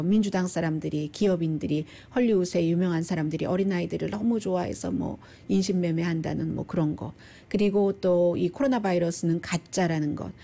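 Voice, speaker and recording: Chatty woman presenting the news, mellow voice. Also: on the low side. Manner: chatty, explains at length, addresses listeners directly. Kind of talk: conversational news commentary.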